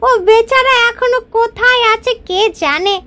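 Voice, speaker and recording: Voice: very high-pitched, normal speed, bright, forceful tone. A performer voicing a boastful, overconfident hare in a children's cartoon, talking in a smug, mocking way. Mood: complacent. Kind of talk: children's moral-story cartoon dialogue.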